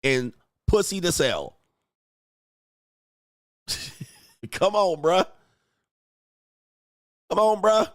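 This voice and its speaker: Brash, profane man with a lively voice. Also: sits high, extremely slow, long pauses, no echo, studio quality. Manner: brash, profane, mocking, with sudden emphatic swells. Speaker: dating coach and commentator. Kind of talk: provocative reaction commentary.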